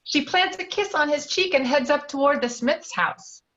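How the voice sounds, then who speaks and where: A woman's voice: sits high, moderate pace, a bit bright, highs cut off. A woman narrating stage directions in an amateur script table read over a video call.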